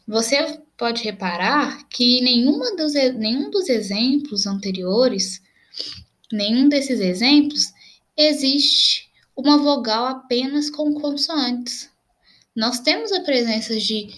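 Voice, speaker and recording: A young adult woman teacher with a Brazilian Portuguese accent, patiently explaining grammar in a video lesson and slowly spelling out examples. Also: on the high side.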